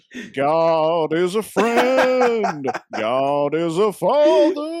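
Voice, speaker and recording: A man's put-on character voice, high-pitched, with very wide pitch swings and a very slow pace. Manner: creepy.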